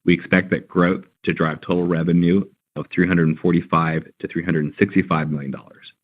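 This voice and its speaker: Deep-voiced man reading financial guidance. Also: level tone. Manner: formal, measured reading of prepared remarks. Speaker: company finance executive. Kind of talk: scripted financial earnings call presentation. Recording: dull, band-limited conference call audio.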